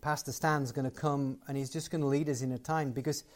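A man's voice: mid-range voice, steady tone, a little fast. A man giving a closing sermon and prayer to a live gathering, conversational and building to emphatic points. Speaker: guest preacher.

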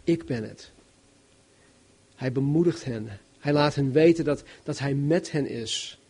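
A man preaching a sermon, reading Bible verses and explaining them in an animated, emphatic way, swinging between loud and soft. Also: mid-range voice, a little slow, slightly rough. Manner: animated, emphatic, varies loudness widely.

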